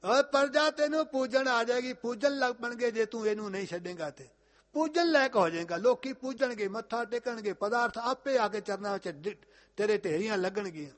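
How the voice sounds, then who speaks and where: A male preacher giving a Sikh katha sermon, telling the story with emphatic repetition and chanting scripture verses slowly. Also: extremely high pitch. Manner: emphatic, repeating lines with rising force.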